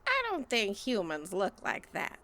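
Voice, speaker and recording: A woman's voice: mid-range voice, wildly swooping pitch, unhurried, bright, forceful tone, a little hiss or hum, heavily acted. A woman playing a hungry, snarky scavenger demon in a comedic audio drama, casual and dismissive. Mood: bickering, curious.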